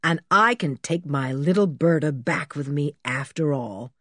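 A woman voicing a kindly middle-aged father who speaks calmly and gently. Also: sits low, unhurried, no room sound, studio quality. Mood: contented.

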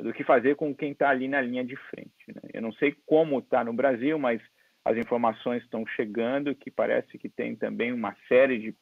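A man's voice: medium pitch, vocal fry, breathy edge, no echo. A man with a Brazilian Portuguese accent giving a conversational, explanatory online lecture as a guest expert, on slightly dull call audio. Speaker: guest medical expert and presenter.

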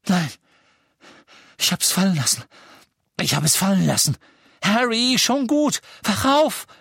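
Male reader playing a panicky young witch in a storybook: shrill, hurried, dry close sound. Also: sing-song, vocal fry, slightly rough, dry recording, exaggerated voice. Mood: alarmed. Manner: urgent, high-pitched and loud, stammering. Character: anxious young witch, caring and frightened.

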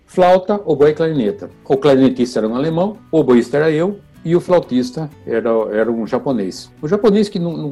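Older man, Brazilian accent, oboist, mellow and husky, animated storyteller, acts out dialogue. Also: mid-range voice. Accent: Brazilian Portuguese. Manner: lively, acts out quoted dialogue and laughs often. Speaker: oboist telling stories to an interviewer. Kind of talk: anecdotal storytelling in an interview.

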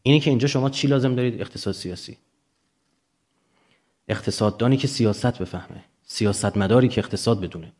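A man with a mid-range, darkish voice and an Iranian Persian accent gives an informal, emphatic lecture. He explains through examples and rhetorical questions.

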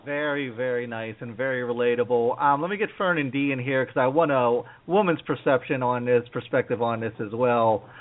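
A man's voice: mid-range voice, fairly quick, few pauses. A man hosting a podcast interview, talking in an easygoing, rambling way. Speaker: podcast host. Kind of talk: casual interview chat. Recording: tinny phone-like line with faint noise.

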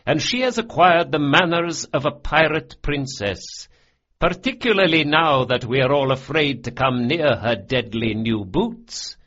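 An audiobook narrator voicing a genial, amused crime boss, a big middle-aged man, with a husky voice on a dull lo-fi recording. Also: medium pitch, a bit bright, pitched above the performer's own voice. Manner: amused, indulgent.

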